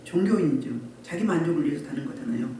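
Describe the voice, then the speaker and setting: A woman's voice: low voice, animated, fast talker, mellow, a little hiss or hum. A woman pastor preaching a Sunday sermon and pressing the congregation with repeated rhetorical questions. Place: church sanctuary. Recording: echoey room from far off.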